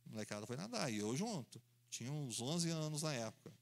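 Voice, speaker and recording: A man, preaching in an animated storytelling style, acting out voices and sounds and laughing along as he goes. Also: mid-range voice, brisk, vocal fry. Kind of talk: storytelling sermon.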